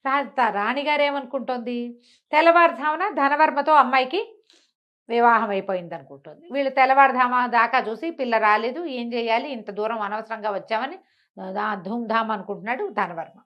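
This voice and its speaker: Woman storyteller, fairly high voice, conversational, animated narration. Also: fairly quick, dull audio. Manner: conversational, acts out characters' dialogue. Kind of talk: animated informal oral storytelling.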